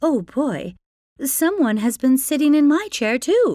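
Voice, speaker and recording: A woman puts on a character voice with a high pitch, speaking at a fairly slow pace on a very clean recording with a silent background. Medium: read story.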